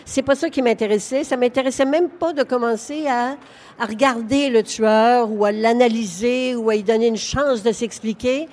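A woman's voice: on the high side, normal speed. An older woman with a Québécois accent, a novelist talking frankly at a live book fair interview, laughing often. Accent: Québécois French. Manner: frank, laughing, animated storytelling. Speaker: novelist guest. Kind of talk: conversational interview on stage.

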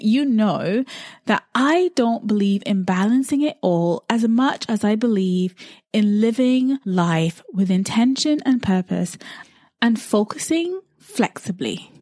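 A woman's voice: mid-range voice, a little mellow, no room sound, clean studio sound. A woman, hosting a solo podcast and telling a personal story in a reflective, conversational way. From Barbados. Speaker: podcast host.

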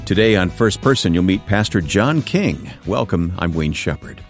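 A man hosting a Christian radio interview program, reading an introduction and then asking questions in a measured broadcaster's manner. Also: deep voice, expressive, music in the background.

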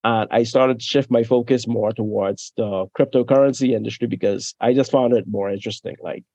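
A young man from the Bahamas, a podcast guest chatting casually, who laughs often and trails off softly at the ends of his sentences. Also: medium pitch, fairly quick, no room sound, lo-fi sound. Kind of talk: casual interview chat.

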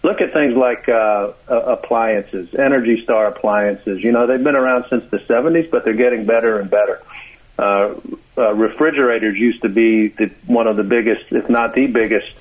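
An American man explaining as a radio interview guest, calling in, with halting speech full of uhs and repeated words. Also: on the low side. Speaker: interview guest, clean energy expert. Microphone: phone call. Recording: tinny, narrow phone line.

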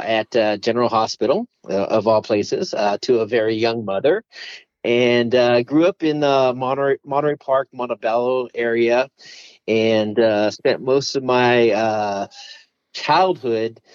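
A man from Southern California, a guest on a podcast, telling his story in a halting way with many fillers. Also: medium pitch, clean tone, no room sound. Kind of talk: casual interview. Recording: dull lo-fi sound.

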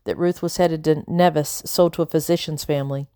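A woman's voice: low voice, steady tone, brisk, dark tone, no echo, studio quality, natural voice. A woman voicing an anxious, kindly servant woman in a novel, folksy and hesitant. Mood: soothing.

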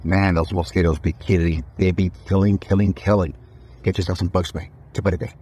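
A man's voice: low-pitched, level tone, a little fast, mellow, breathy edge. A man giving a short, casual tip as a working tradesman, laid-back and repeating his phrases. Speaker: pool pro giving daily tips.

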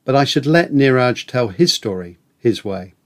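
A man's voice: mid-range voice, animated, normal speed. Male host, interview questions, hesitant, repeats himself. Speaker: podcast host.

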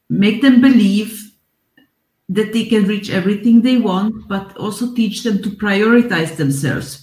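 A woman's voice: mid-range voice, darkish tone. Hungarian woman in her 40s, earnest yoga coach, roomy video-call sound. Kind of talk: casual video call chat. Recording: echoey room.

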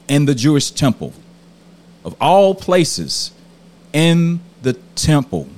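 A man hosting a podcast and teaching a verse-by-verse Bible study. His voice sounds hoarse and scratchy, and he speaks in an earnest, emphatic way, repeating his key points. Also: medium pitch.

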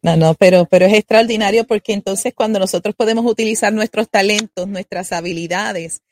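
A woman's voice: mid-range voice, a little fast, a little mellow, a little hiss or hum. A woman hosting a live talk show interview, introducing her guest and asking questions with effusive praise. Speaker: host.

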